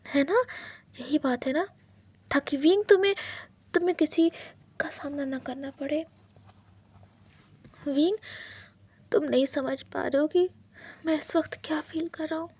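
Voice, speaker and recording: A woman voicing an anguished young husband who fears being left, in whispered role-play, halting and pleading. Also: sits high, darkish tone. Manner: pleading, halting, repeats words. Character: anguished young husband, clingy and afraid of abandonment.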